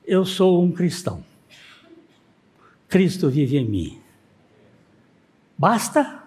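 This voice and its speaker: A man's voice: high voice, sing-song, extremely slow, darkish tone. A man preaching a sermon in a church, mixing rhetorical questions with anecdotes told with dry humor. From Northeast Brazil. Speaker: pastor. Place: church sanctuary.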